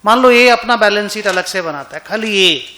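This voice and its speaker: Bright, high-voiced male accounting teacher. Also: expressive, brisk. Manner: conversational, asks students questions often. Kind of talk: classroom lecture. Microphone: online class recording.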